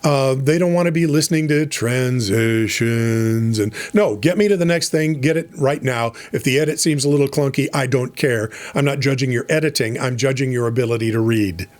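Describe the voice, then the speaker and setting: A man's voice: medium pitch, moderate pace, hardly any pauses, a little mellow. A middle-aged man giving casual, encouraging advice on voice over work, chatty with fillers and restarts. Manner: conversational, frequent fillers and restarts. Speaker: voice over coach. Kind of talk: casual instructional talk.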